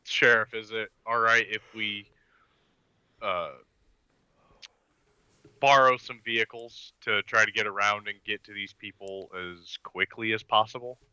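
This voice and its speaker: A man playing a polite, earnest team member who speaks deliberately and courteously, pausing as he presses for action. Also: fairly low pitch, steady tone, pushed and bright, smooth, no room sound, dull audio.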